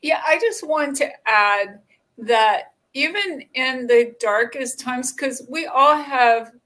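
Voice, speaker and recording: Woman host talking slow and thoughtful, kinda high voice. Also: animated, pushed and bright. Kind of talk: interview conversation.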